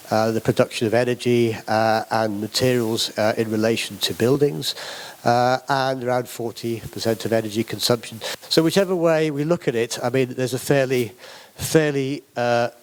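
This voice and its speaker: A middle-aged British man from the UK giving a public talk as an academic speaker, with many fillers and restarts. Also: medium pitch. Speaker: academic speaker on wood construction.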